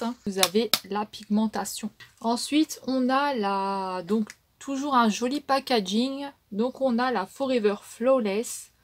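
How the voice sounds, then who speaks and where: A woman with a French accent casually reviewing makeup palettes, chatty and full of fillers. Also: on the high side. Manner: chatty, many fillers and "donc". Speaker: beauty vlogger.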